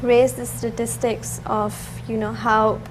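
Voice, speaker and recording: A young woman from Pakistan, speaking haltingly on a panel with "uh" and "you know". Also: on the high side, level tone. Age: young adult. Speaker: student panelist. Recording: noisy room recording.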